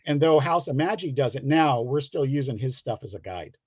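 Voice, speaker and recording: A middle-aged man from the Pittsburgh area in the United States, chatting casually as a guest and telling rambling, halting anecdotes. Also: mid-range voice, animated, darkish tone, slightly rough. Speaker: guest comic book creator. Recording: dull lo-fi, roomy call audio.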